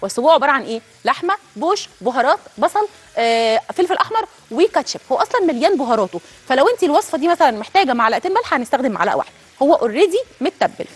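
Brief: Egyptian woman cooking host, rapid and high-pitched, chatty toward the viewer. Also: sing-song. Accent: Egyptian Arabic. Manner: chatty, addresses viewers directly. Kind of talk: cooking demonstration.

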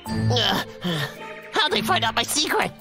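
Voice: high-pitched, sing-song, unhurried, creaky, over loud music, heavily acted. An actor playing a blustering, secretive cartoon logger who talks in a theatrical drawl and gets flustered easily. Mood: alarmed. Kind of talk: exaggerated cartoon acting.

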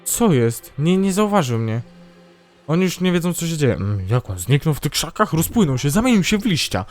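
A man's voice: on the high side, very animated, moderate pace, soft background music. A man hosting his gaming channel, giving casual let's-play commentary in a chatty, self-mocking way and talking to himself as he plays.

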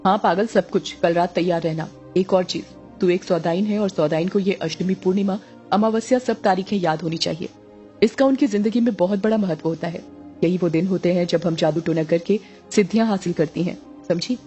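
Brief: a commanding witch mother for a horror audio story, read by a woman, mellow tone with faint music behind. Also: fairly low pitch, fairly quick, natural voice. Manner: scolding, commanding. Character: scheming middle-aged witch mother, stern and bossy.

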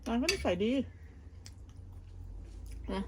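The woman talks very slowly over a noisy background. As a vlogger cooking at home abroad, she chats and gossips about family, repeatedly restarting sentences and filling gaps with fillers.

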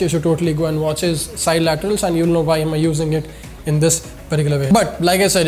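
Speaking into a lapel mic against a plain backdrop in an indoor studio, a fitness host in his twenties with an Indian accent presents scripted-style instruction to camera and hammers points home through repetition. His cold and sore throat produce a stuffed-up, nasal whine that sounds a little high and a little mellow. There's slight background noise.

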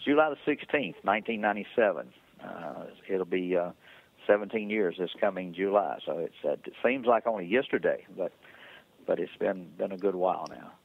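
A middle-aged man speaking as a guest in a phone interview, halting, with many fillers and restarts. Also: low-pitched, vocal fry, husky. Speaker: interview guest, foundation founder. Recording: tinny phone line.

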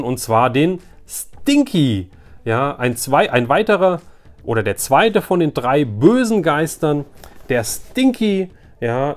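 A man's voice: medium pitch, a little mellow. A man presenting as a toy collector in a casual, enthusiastic, rambling chat to viewers. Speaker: toy collector, video host.

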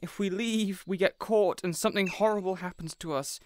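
A man playing a weary, reasonable young supervillain boss in a scripted audio roleplay, hesitant yet measured and exasperated. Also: high-pitched, a little hiss or hum, lightly acted. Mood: anxious.

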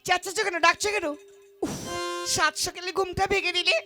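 A woman's voice: very high-pitched, flat delivery, brisk. A woman playing a whiny young wife. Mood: defensive. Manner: pleading, plaintive. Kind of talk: comic folk puppet play voicing. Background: folk instrumental music.

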